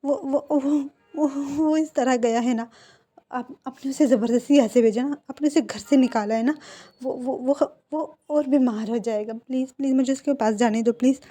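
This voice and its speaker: A woman's voice: high-pitched, steady tone, normal speed, mellow. A woman voicing a desperate young man who begs his parents, stammering and repeating himself as she reads a fan fiction story. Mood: pleading.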